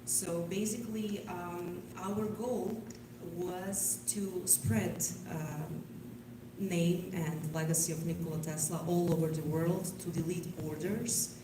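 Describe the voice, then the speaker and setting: Low-voiced Serbian woman, echoey distant recording. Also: fairly even intonation, takes it slowly. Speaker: arts department director, panelist. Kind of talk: panel presentation. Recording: echoey, noisy conference room, distant mic.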